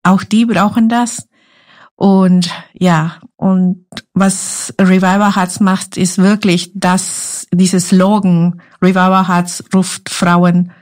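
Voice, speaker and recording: A woman from Guatemala whose first language is Spanish, speaking with a Guatemalan Spanish accent, talking earnestly and haltingly about her ministry work as an interview guest. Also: lowish voice, level tone, a little mellow. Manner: hesitant, many fillers, earnest. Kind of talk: casual interview talk.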